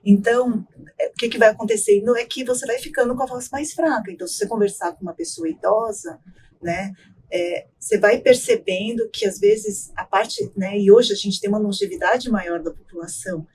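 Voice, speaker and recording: A middle-aged woman, an ENT doctor, explaining voice care in an interview in a measured way, often ending with tag questions. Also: mid-range voice, animated, a little mellow, a little hiss or hum, low-quality recording. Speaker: ENT doctor, guest expert.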